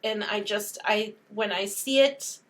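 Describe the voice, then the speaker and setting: A woman's voice: medium pitch, unhurried, fairly bright tone. A woman co-hosting a movie podcast, casual in style, emphatic and opinionated as she talks. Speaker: podcast co-host.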